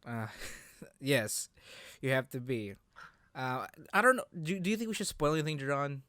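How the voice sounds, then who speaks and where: A man hosting a casual podcast chat about games, halting as he repeats and rephrases himself. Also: mid-range voice, sing-song, sharp tone, clear, resonant tone, no room sound, studio quality. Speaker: podcast host.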